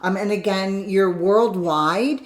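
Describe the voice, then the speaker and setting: A woman's voice: mid-range voice, takes it slowly. Middle-aged American woman, roomy sound. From United States. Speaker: podcast host. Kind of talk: casual interview chat.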